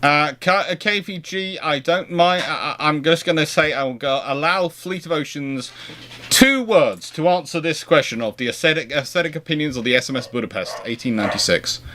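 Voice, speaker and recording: With a fairly high, pushed and bright voice at a normal speed, a British man runs a naval history question and answer chat. He rambles casually through his explanations, rephrasing as ideas come to him.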